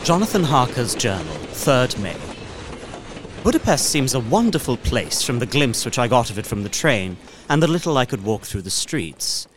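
An actor playing a proper, earnest young English gentleman narrating his journal in an audio drama, precise and expressive. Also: mid-range voice, moderate pace, noisy background, natural voice. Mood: bemused. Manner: expressive, precise, faintly bemused.

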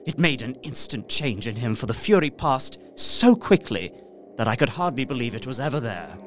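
In a gothic audio drama, an actor plays a polite, observant, uneasy young solicitor who narrates his journal with earnest precision and theatrical storytelling. His medium-pitched, sing-song voice sounds natural and moves at a normal speed. The mood is alarmed.

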